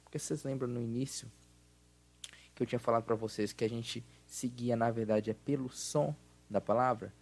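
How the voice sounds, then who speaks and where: A Brazilian man with a Portuguese accent who teaches an English grammar lesson. He explains patiently and repeats words slowly to model their pronunciation. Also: mid-range voice, fairly even intonation, gravelly, darkish tone.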